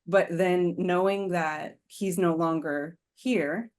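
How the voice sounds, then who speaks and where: A woman's voice: fairly low pitch, steady tone, slow, darkish tone. A woman co-hosting a casual rewatch podcast, talking earnestly and agreeing readily. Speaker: podcast co-host.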